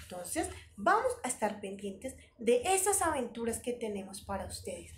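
A woman leads a preschool lesson in a high, animated voice that swoops up and down. She talks slowly and with encouragement, and a faint hiss sits behind her. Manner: sing-song, exaggerated, encouraging. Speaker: preschool teacher.

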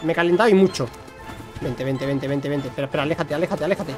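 Young guy streaming a game, high voice, talks at the bugs, faint music behind. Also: quick pace. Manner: excitable, talks to himself and the creatures. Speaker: gaming streamer. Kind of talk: live gameplay commentary.

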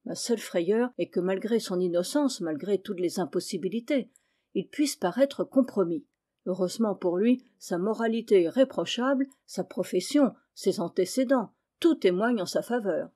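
A woman's voice: mid-range voice, normal speed, mellow, lightly acted. A woman reading the part of an anxious, respectable middle-aged landlady in an audiobook, agitated and pleading.

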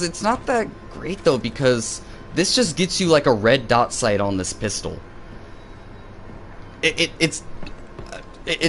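A man giving let's play commentary, excitable and rambling, swearing and yelling at enemies between many fillers. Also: mid-range voice, a little hiss or hum. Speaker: gaming video host.

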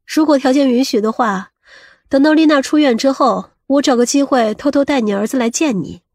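A woman performs a protective, scheming middle-aged mother in an audiobook drama. Her voice is on the high side and husky, recorded dry. She speaks emphatically, with a scolding, exclamatory edge. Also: brisk, darkish tone, no room sound. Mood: calculating, firm.

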